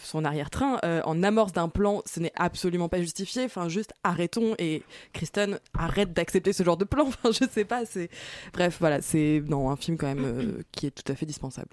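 A woman's voice: lowish voice, brisk, darkish tone, dry recording, clean studio sound. A woman chatting casually as a film panellist, rambling and circling back over her phrases. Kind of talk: casual chat film critique.

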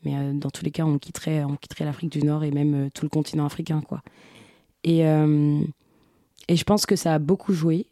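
A young woman from Algeria answering interview questions in a hesitant way, with many pauses and restarts. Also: sits low, level tone, mellow, no room sound, clean studio sound. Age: young adult. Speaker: guest.

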